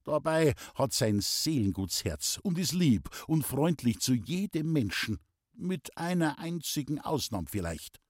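A man reading an audiobook, voicing a gruff older pipe-smoking man in a Bavarian accent, blunt and grumbling. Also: fairly high pitch, big pitch swings, measured pace, no echo, studio quality, pitched above the performer's own voice.

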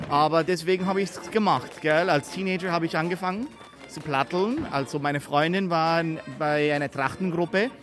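Middle-aged man from New York, relaxed interviewee, higher voice, music behind. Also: moderate pace. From United States, New York. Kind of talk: casual interview talk.

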